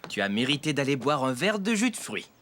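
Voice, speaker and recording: A man playing a patient, kindly father in a French children's cartoon, encouraging and gently instructive. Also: medium pitch, very animated, a little fast, a little hiss or hum. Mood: amused.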